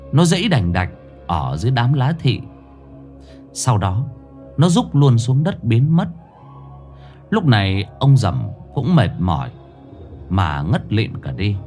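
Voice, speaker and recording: A man narrating a ghost story in a dramatic manner, slowing down for suspense. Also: mid-range voice, huge pitch swings, a little mellow, soft background music.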